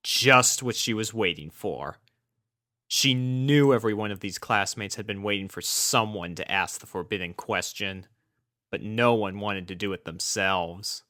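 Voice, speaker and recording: A man's voice: lowish voice, measured pace, pushed and bright, no echo, clean studio sound. A man reading a scripted story aloud as its narrator. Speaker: fan fiction narrator.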